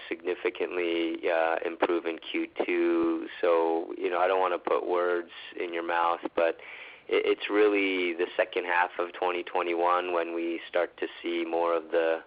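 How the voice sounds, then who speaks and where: A man with a low voice poses questions as a financial analyst on an earnings call. He is conversational and informal, reworking his phrasing as he goes, with a very even intonation. The line sounds slightly muffled and lo-fi. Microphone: phone conference call. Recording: dull lo-fi conference call line.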